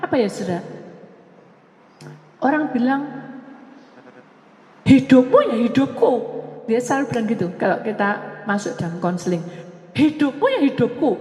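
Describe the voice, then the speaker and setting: A woman's voice: on the high side, darkish tone, reverberant, long reverb tail. A woman pastor preaching a sermon, telling stories animatedly and addressing the congregation directly.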